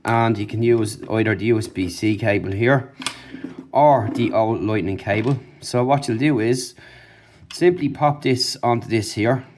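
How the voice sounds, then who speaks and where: A man's voice: fairly low pitch, a little slow, a little mellow, a little hiss or hum. A man giving a casual, off-the-cuff product review, informally talking through what he is showing. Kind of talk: casual unboxing and review commentary.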